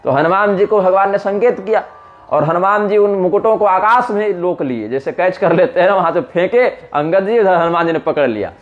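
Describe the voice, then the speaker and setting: A man giving a religious scripture discourse, chanting verses slowly and then explaining them in lively speech. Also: high-pitched, soft background music. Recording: dull lo-fi recording.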